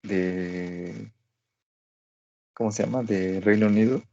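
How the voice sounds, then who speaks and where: A man, a student answering in halting French and searching for words. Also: on the low side, fairly even intonation, creaky, warm tone, dull audio. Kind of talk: language lesson answers.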